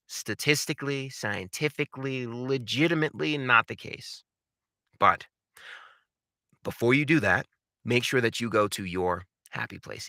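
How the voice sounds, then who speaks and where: Bright-voiced man teaching, emphatic and informal. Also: mid-range voice, no room sound, studio quality. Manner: animated, emphatic, uses rhetorical questions and repetition; informal, addresses viewers directly. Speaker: voice acting coach and video host. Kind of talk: instructional talk to camera.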